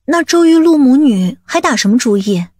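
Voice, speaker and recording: Actress as sharp-tongued woman, audiobook character, high pitch, suspicious, scolding, dry close sound. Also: lively intonation, normal speed, dry recording. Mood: probing. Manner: scolding, probing.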